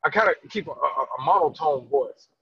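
A man's voice: a little high, animated, a little fast, bright, forceful tone, dull audio, slight background noise. A man talking candidly about raising his autistic son, earnest and emphatic, often stammering and restarting. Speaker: guest, father of an autistic son. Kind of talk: candid conversational interview.

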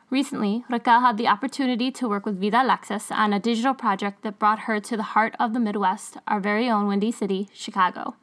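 A woman reading a scripted podcast introduction as its host. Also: on the high side.

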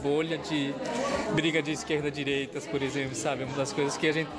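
Homem matsés sério entre multidão. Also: male voice, fairly high pitch, little pitch movement, fairly quick. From Brazil's border with Peru and Bolivia. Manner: earnest, reflective, frequent tag questions. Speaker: conference guest speaker. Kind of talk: interview answers. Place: busy conference venue. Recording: loud crowd chatter around.

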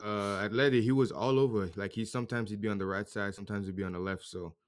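A man's voice: lowish voice, steady tone, quick pace. A man talking informally in casual football banter.

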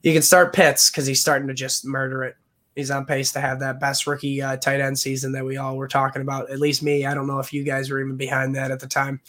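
A man's voice: medium pitch, monotone, fast talker, fairly bright tone. A man with a nasal voice co-hosting a casual sports podcast, hedging with many filler phrases. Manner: hedging, lots of "I mean". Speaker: co-host.

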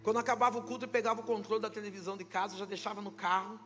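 A Brazilian woman pastor giving a testimony sermon at a church service, impassioned and rising to shouted preaching. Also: medium pitch, fairly even intonation, very fast, soft background music. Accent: Brazilian Portuguese.

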